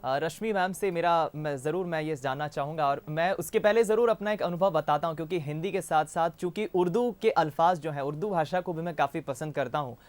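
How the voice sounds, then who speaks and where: A man's voice: a little high, no echo. Dry-toned male news anchor. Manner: formal, measured, trailing restarts. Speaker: news show host. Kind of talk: studio panel discussion.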